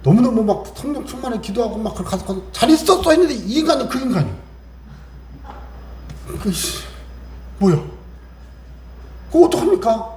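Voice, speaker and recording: Here a pastor with a high, dark-toned, expressive voice preaches a Sunday sermon at normal speed, often pausing. He talks conversationally, quoting scripture and acting out small exchanges, while the echoey church room adds a faint hiss.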